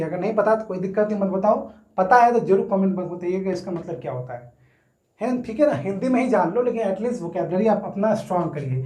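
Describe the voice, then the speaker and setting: A man teaching English grammar in a casual Hindi lesson. He explains step by step, stretches words out slowly when sounding them, and keeps checking in with his students. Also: sits high, warm tone. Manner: explains step by step, often checks in with "theek hai na". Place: room, writing on a board. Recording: echoey room.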